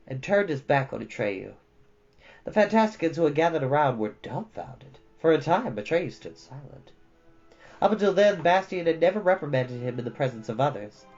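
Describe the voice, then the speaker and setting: A storyteller reading fantasy fiction aloud as expressive storybook narration. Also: medium pitch. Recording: slightly dull, band-limited audio. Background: faint music.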